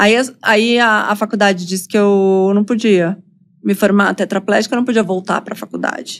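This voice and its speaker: The voice moves at a moderate pace with fairly even intonation. The background is quiet. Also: woman, medium pitch for a woman. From Brazil. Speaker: occupational physician; guest. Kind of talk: interview. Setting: on-site studio at a company. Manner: halting, many fillers. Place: meeting room. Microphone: studio mic.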